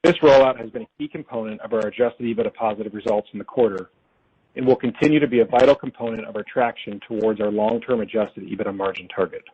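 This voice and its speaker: A man presenting as a company finance executive on an earnings call, reading prepared figures in a formal, measured way. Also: fairly low pitch, breathy edge. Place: conference call. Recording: dull, lo-fi conference call audio.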